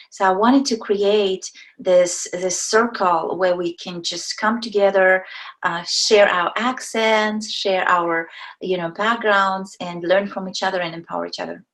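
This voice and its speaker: A woman's voice: lowish voice, low-quality recording. A woman in her forties from Kazakhstan, whose first language is Russian, talking as a podcast guest in a hesitant way with many ums and restarts. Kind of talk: casual interview talk.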